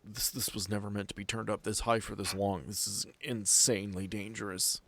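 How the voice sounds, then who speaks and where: A man's voice: fairly low pitch, level tone, a little fast, gravelly, fairly bright tone, a little hiss or hum. A man voicing an anxious male scientist in a tabletop game, speaking fairly plainly in his own voice. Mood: alarmed. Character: nervous male scientist who built the machine.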